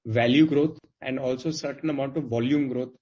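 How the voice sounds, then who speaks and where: A man speaking as a company executive on an earnings call, explaining things in a halting, qualified way over conference audio. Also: mid-range voice, steady tone, darkish tone. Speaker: company executive answering investors' questions. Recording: dull, band-limited conference call audio.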